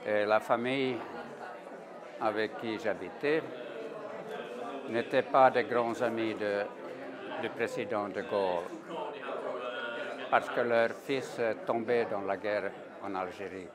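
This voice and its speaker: A man's voice: fairly low pitch, fairly even intonation, takes it slowly, long pauses. A man in his seventies, a native Swedish speaker, fluently telling an anecdote with dry humor. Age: 70s. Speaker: alumnus. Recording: busy reception crowd behind.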